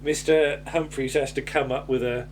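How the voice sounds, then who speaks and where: A man's voice: medium pitch, fairly even intonation, moderate pace, slight background noise. A man chatting casually as a co-host recapping a comedy, hesitant and meandering, often repeating words and tailing off. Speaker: podcast co-host.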